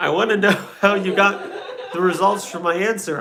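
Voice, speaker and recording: This man speaks in a high pitch with monotone, flat intonation. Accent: American. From Kansas, US. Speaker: atheist streamer. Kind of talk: casual live stream chat. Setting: home desk, live stream.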